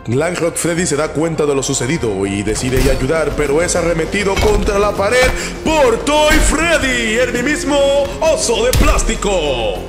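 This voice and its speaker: A man narrating a fight as a theatrical, bombastic commentator in an excited ringside announcing style. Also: on the high side, normal speed, hardly any pauses. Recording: reverberant hall-like echo with music. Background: music.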